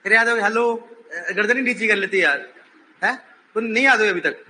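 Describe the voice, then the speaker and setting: A man's voice: high voice, brisk. A male teacher lecturing a classroom, quizzing and teasing his students and raising his voice to drill the answers. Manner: says he is shouting while teaching.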